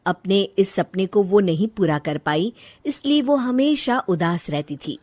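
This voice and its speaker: Woman, storybook narrator, calm, expressive pitch. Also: unhurried.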